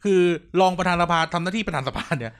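A man co-hosting a casual political podcast, talking in a quick, joking, teasing way. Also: high voice, expressive, a bit bright. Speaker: podcast co-host.

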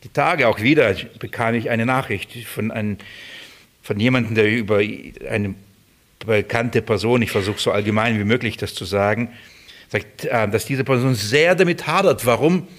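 A man's voice: lowish voice, normal speed, fairly bright tone. Emphatic man preaching. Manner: emphatic, repeats phrases for stress. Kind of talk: sermon.

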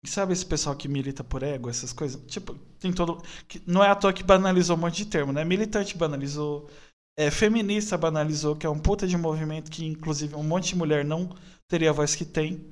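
A man's voice: fairly high pitch, a little fast. A man, talking earnestly and at length as a podcast guest, with frequent restarts. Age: 20s. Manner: earnest, opinionated, rambling with restarts. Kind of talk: casual podcast conversation.

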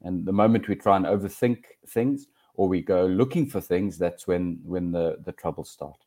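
A man with a South African accent giving measured, conversational answers as an interview guest. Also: low voice, dark tone. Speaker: interview guest, field hockey umpire.

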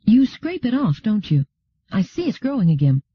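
A man's voice: sits high, very animated, normal speed, husky, voice pushed up, full character voice. A man voicing a haughty, curious aristocratic woman from another world in an audiobook, with prim, precise, questioning speech. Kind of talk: audiobook character dialogue. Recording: roomy, dull lo-fi audio.

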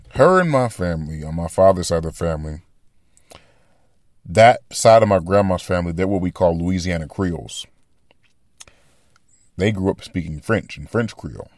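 Podcast host, man, deep voice, loose thinking-aloud monologue, dead dry mic. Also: a little mellow, dry recording. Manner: rambling, thinking aloud with restarts. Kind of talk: casual commentary monologue.

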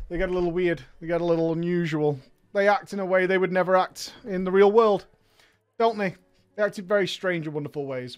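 A man hosting a livestream show who reads viewer letters aloud, talking in a loud, hyped way with swearing and rambling asides. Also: high voice. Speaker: streamer and show host.

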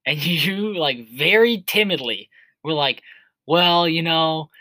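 A man's voice: fairly high pitch, lively intonation, slow pace, sharp tone, no echo, poor audio. A man in his early twenties co-hosting a podcast, telling a story in a rambling way with lots of filler words. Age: 20s. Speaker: podcast co-host. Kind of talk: casual chat.

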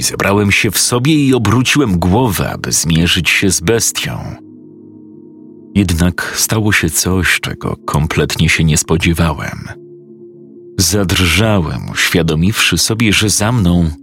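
A man narrating a scripted horror story in a slow, grave manner. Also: low voice, creaky, fairly bright tone. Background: faint music.

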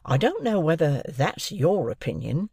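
A man voicing a cheerful, proud middle-aged male clerk, talking brisk and earnest in a raised voice. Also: on the high side, sing-song, a little mellow, breathy edge, no room sound, clean studio sound, voice pushed up, full character voice.

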